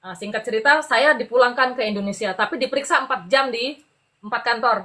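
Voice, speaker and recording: A middle-aged woman telling her personal story as a podcast guest in an animated, chatty way, laughing often and acting out the voices of the people she quotes. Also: fairly high pitch, brisk. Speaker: podcast guest giving a testimony. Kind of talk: conversational storytelling.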